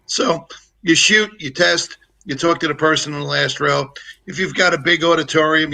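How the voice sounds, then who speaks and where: A man who trains public speakers, giving practical advice in a relaxed, joking way over a video call with a lapel mic. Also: on the high side, creaky, low-quality recording. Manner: practical, explanatory, jokes easily. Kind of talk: casual coaching advice on a livestream.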